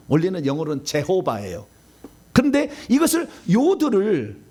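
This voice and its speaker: Middle-aged male pastor, lively sing-song delivery, asks the room questions. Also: high-pitched. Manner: animated teaching, asks the audience questions, laughs at own slips. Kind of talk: sermon lecture.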